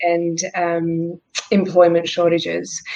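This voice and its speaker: A woman is speaking. She has an Australian accent. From Australia (born in Bosnia, moved as a young child). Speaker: immigration lawyer, presenter. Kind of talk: conference presentation. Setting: online summit.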